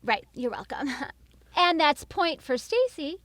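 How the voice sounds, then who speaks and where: A woman's voice: high-pitched, very animated, measured pace, fairly bright tone, dry recording. A woman co-hosting in casual banter, teasing and playfully bossy. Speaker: co-host.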